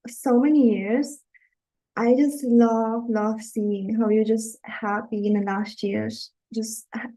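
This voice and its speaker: A woman's voice: mid-range voice, dark tone, rough recording. A woman from Germany, a dating coach, speaking to viewers in an earnest, encouraging live webinar talk.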